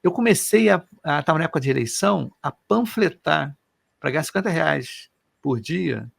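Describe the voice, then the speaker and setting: Gravelly, lively man telling stories. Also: fairly high pitch, normal speed, dry recording, studio quality. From Brazil. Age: middle-aged. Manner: animated, colloquial, emotional storyteller. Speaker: co-host. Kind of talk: personal storytelling in casual chat.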